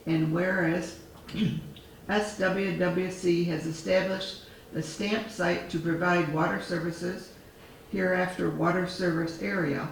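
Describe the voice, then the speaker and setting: A man on a town board reading a formal resolution aloud in a measured way, losing his voice, recorded in a town hall. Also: high-pitched, creaky. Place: town hall meeting room. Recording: echoey hall, far from mic, faint noise.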